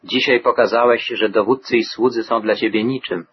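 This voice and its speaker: A man giving a measured, solemn scripted reading of scripture. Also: mid-range voice, fairly even intonation, husky, lo-fi sound. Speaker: Bible reader.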